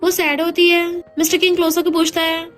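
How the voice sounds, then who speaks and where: Very high-voiced woman retelling a drama. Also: level tone, a little fast, a bit bright, faint music behind. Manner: chatty, mixes in English words. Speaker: drama recap narrator.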